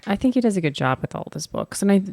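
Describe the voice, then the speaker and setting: A woman's voice: medium pitch, very animated, very fast, gravelly, a little mellow, no echo. A woman co-hosting a book podcast, chatting in an easygoing, agreeable, slightly hesitant way. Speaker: podcast co-host. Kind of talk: casual chat.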